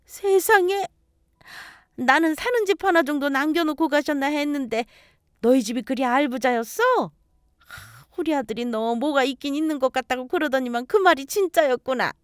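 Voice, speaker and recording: A woman's voice: fairly high pitch, expressive, measured pace, clear, resonant tone, dry recording, clean studio sound. A woman voicing a scheming middle-aged future mother-in-law who shrieks and wails. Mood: scornful.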